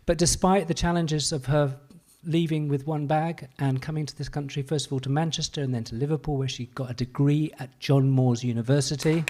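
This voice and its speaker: A man hosting an event, introducing the next speaker in an energetic, emphatic way. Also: on the high side, fairly quick, hardly any pauses, a little hiss or hum. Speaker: program host.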